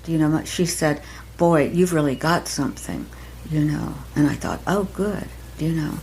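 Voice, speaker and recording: Soft-spoken older woman, low gravelly voice. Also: a little hiss or hum, low-quality recording. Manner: soft-spoken, halting, many pauses and restarts. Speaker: acting teacher, podcast guest. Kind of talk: reflective interview conversation.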